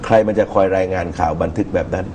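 A middle-aged man with a low, very mellow voice gives political commentary on a talk show. He speaks in a measured way into a lapel microphone, with faint noise in the TV studio recording. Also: fairly even intonation.

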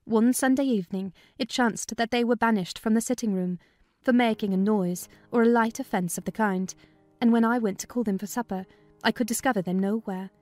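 A woman narrating a dramatized audiobook in a measured, literary storytelling manner. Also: on the high side, darkish tone, dry recording, clean studio sound, soft background music.

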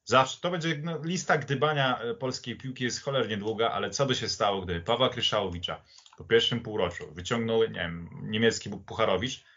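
A man with a low voice talks as a podcast pundit in an opinionated, unscripted way. He is emphatic but halting, circling back to repeat phrases. The sound is a little dull and lo-fi. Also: fairly bright tone. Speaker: podcast guest, football pundit. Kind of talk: opinionated football discussion.

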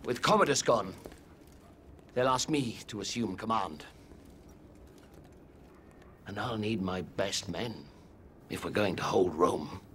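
An actor playing a resolute Roman military commander in a video game, measured, urgent and commanding. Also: male voice, fairly low pitch, a bit bright, a little hiss or hum. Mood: grave resolve. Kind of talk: dramatic video game acting.

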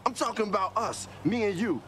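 A man's voice: high-pitched, brisk, background noise, lightly acted. An actor playing an earnest, defensive husband pleading with his wife in a film drama. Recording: film clip with music behind.

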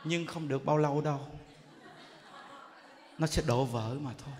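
A Buddhist monk, giving a jokey, lively storytelling sermon in which he acts out characters. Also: on the high side, moderate pace. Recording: echoey hall, faint ambience.

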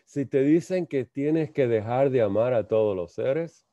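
Slow halting man giving a spiritual lecture. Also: mid-range voice, animated, warm tone, no room sound. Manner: halting, repeats words, rhetorical questions. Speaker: lecturer on theosophy. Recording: muffled lo-fi dry sound.

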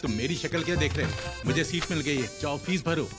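A man's voice: a little high, brisk, music in the background, close to an everyday voice. An actor dubbing a chatty, playful middle-aged father who has just enrolled in college, in a film dub. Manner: chatty, playful, bossy at home. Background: film score.

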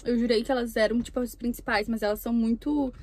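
Filming a mukbang from a parked car, her camera on the dashboard, a young YouTuber from Brazil chats between mouthfuls. Her voice is on the high side and somewhat dark, with fairly even intonation and a fast delivery.

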